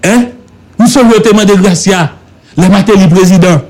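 A man's voice: high voice, moderate pace, darkish tone. A man with a Haitian accent giving impassioned political commentary in a radio studio, emphatic and repetitive, driving points home with rhetorical questions.

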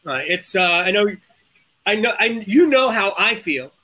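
A male sports show host with a high, very bright voice. He talks in a casual, chatty way, often pausing and feeling his way through a sentence. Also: very animated.

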